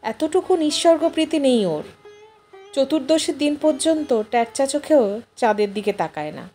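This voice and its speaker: A woman's voice: high-pitched, lively intonation, moderate pace, warm tone. A woman narrating a literary short story expressively as an audiobook reader. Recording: music behind the voice.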